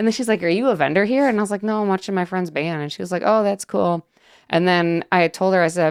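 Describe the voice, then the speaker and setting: Speech comes at a very fast pace with an American accent and ordinary pitch variation. The recording is very clean, dry and close, with a silent background and no echo. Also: woman, medium pitch for a woman. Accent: Wisconsin accent, noticed by others. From Wisconsin, US Midwest. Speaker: podcast co-host. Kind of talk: casual chat. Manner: halting, many fillers.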